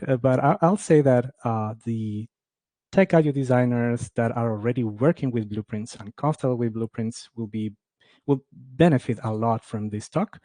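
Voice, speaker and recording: A man's voice: medium pitch, dark tone, no room sound. A man from Ecuador giving a conference talk on game audio, speaking with many fillers and restarts.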